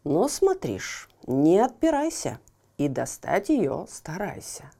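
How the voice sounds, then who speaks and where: A woman voicing an angry, bearded old tsar in a storybook tale, speaking loud, gruff and slow. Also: on the low side, huge pitch swings, exaggerated voice. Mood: angry blustering.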